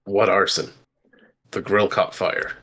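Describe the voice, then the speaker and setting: A man's voice: sits low, steady tone, slow, fairly bright tone. A man playing a tabletop role-playing game, giving short, casual replies in and out of character.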